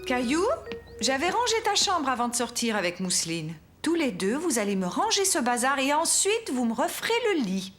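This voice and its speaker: A woman voicing a caring, patient but firm mother in a French children's cartoon, expressive and clearly articulated. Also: sits high, moderate pace, soft background music.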